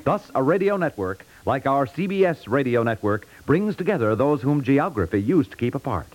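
A man's voice: medium pitch, sing-song, moderate pace, music in the background. A man reading scripted narration as a 1950s radio network announcer, formal and declamatory.

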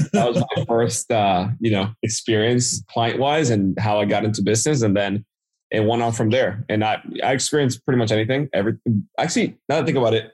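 A man's voice: medium pitch, darkish tone. A man from the Dominican Republic, a native Spanish speaker with a Dominican accent, casually telling his story as a podcast guest. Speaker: podcast guest, marketing entrepreneur.

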